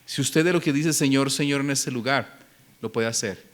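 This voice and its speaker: A man preaching a Sunday sermon in a church, fervent and emphatic, moving between hushed pleading and loud bursts. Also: mid-range voice, normal speed. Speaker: pastor. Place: church sanctuary.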